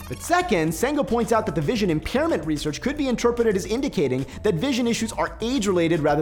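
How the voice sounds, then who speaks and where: The speaker talks at a very fast pace. Noticeable background noise runs underneath. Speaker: science video host. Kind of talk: viewer comment response.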